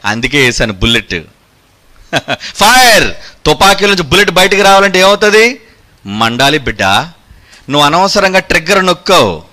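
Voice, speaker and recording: A man's voice: sits high, very animated, normal speed, pauses often, bright, forceful tone. A man preaching a fiery sermon, combative and mocking, firing rhetorical questions.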